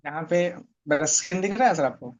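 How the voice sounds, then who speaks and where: A man's voice: on the high side, lively intonation, fast talker, a crowd in the background. A man who is a student in an online class, polite and hesitant, speaking to his teacher.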